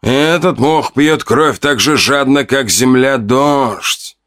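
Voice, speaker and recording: A man voicing a slow, wondering tribal shaman. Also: medium pitch, a bit bright, voice pushed up. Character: cunning shaman, slow and doubting. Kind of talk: audiobook character voice.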